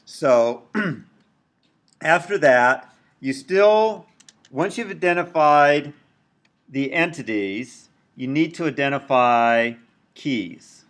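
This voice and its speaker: Man, university lecturer, big loud voice, very slow deliberate pace, screen-recorded lesson. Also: a little high, animated. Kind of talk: recorded lecture over a drawing tablet.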